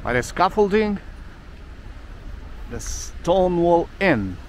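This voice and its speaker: A man's voice: high voice, sing-song, slow pace, a little hiss or hum. A man giving a casual walking tour outdoors, chatting to viewers with joking asides. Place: outdoors on snowy city streets.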